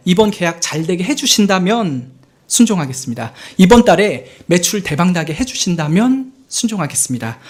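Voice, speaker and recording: A man serving as assistant pastor, preaching a Sunday sermon and acting out prayers and conversations as he goes. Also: high voice. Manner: animated, acts out quoted prayers and dialogue.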